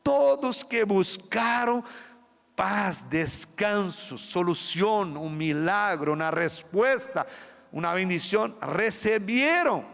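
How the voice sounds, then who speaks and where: Gravelly high-voiced male pastor preaching. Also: a bit bright. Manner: impassioned, emphatic preaching with dramatic pauses. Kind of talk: sermon. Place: church. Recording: reverberant church hall with faint music.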